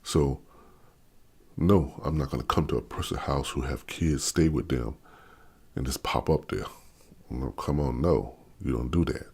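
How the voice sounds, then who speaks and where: In an off-the-cuff opinion vlog, a fifty-something man with a DC-area accent rants bluntly at the camera, repeating points and stumbling over restarts. He has a bass voice with a darkish, breathy tone, and he talks unhurriedly with frequent pauses.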